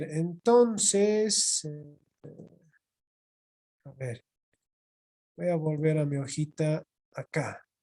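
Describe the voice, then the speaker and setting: Bolivian male teacher, high-pitched, slow and repetitive, online class on a computer mic. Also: darkish tone. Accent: Bolivian Spanish. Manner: slow, repetitive explaining with checking "¿ya?". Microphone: computer mic on video call.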